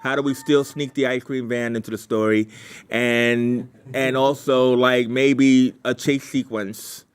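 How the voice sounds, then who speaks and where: A man leading a writers' meeting in casual, halting talk, repeating himself as he thinks aloud and brainstorms. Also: mid-range voice, fairly even intonation, clean tone.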